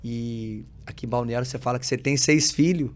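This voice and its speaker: A little fast and medium in pitch, this man is a pastor telling his own testimony on a podcast. He performs the dialogue of his story with lively energy and many filler tags, and when he quotes scripture he sounds like a preacher building to a crescendo.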